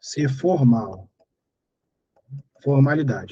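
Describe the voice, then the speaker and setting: A man speaks at a very slow pace. His voice has a dark, mellow tone. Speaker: teacher. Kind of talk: lecture.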